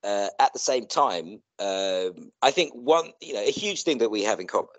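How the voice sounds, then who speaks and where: A middle-aged man chatting casually on a video call in a rambling, halting way that often circles back on itself. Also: fairly low pitch, expressive, dry recording. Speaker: co-host in a two-person online chat. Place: indoor room, video call.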